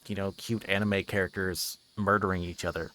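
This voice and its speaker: A man's voice: low voice, flat delivery, a little fast, bright, forceful tone. A man livestreaming a visual novel, chatting casually and reading aloud, sometimes stumbling over his words. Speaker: streamer.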